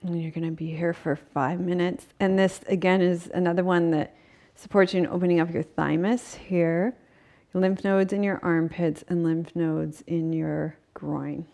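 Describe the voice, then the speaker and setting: A woman teaching a restorative yoga class, speaking and reading verse in a gentle, soothing, unhurried manner with pauses. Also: lowish voice, steady tone, creaky.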